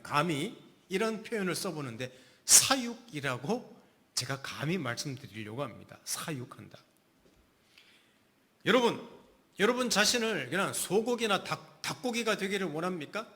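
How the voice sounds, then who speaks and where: Middle-aged guy preaching, lively up and down voice, keeps asking the church questions. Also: a little high, fairly quick. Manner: emphatic preaching with rhetorical questions to the congregation. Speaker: pastor. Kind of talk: sermon.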